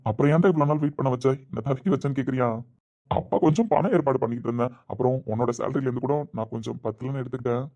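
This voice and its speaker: A man's voice: medium pitch, steady tone, racing, darkish tone. A man speaking dramatic dialogue in an earnest, tender way. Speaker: actor in a family drama.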